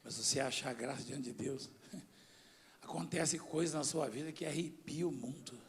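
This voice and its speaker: A middle-aged man from Brazil preaching a sermon as a bishop, telling stories and shifting from hushed tones to shouts. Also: a little high, moderate pace, vocal fry, background noise. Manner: storytelling preacher, mimics voices, swings from hushed to shouting.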